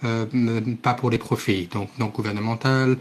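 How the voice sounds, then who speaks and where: A man interpreting live at a formal meeting, speaking haltingly as he searches for words and corrects himself. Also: mid-range voice, steady tone. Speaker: simultaneous interpreter.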